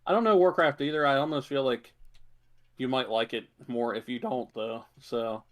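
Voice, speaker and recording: A man co-hosting a podcast, chatting casually about movies in a low-key, hesitant way. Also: moderate pace, fairly bright tone. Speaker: podcast co-host.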